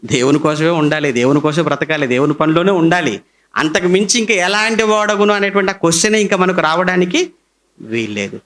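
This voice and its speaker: A middle-aged man with a Telugu accent, preaching a sermon as pastor, his pitch swinging high and low as he presses his points. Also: a little fast, fairly bright tone.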